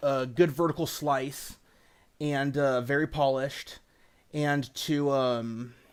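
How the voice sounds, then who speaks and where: In a very clean recording with a silent background, a man with a fairly high pitch talks at a very slow pace in a monotone, flat intonation. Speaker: indie game developer. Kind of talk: live stream dev commentary. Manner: halting, many fillers.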